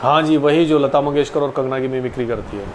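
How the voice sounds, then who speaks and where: A man's voice: medium pitch, a little fast, a little hiss or hum, low-quality recording. A man in his late twenties, an actor, answering viewers' questions casually and politely on a live stream. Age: 20s.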